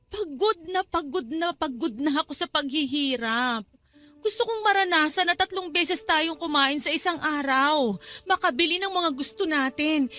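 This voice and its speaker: Shrill, manipulative weary mother. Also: pushed and bright. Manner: guilt-tripping, emotional. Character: weary, pleading, manipulative mother pushing her daughter. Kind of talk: Tagalog radio drama acting. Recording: background music under dialogue.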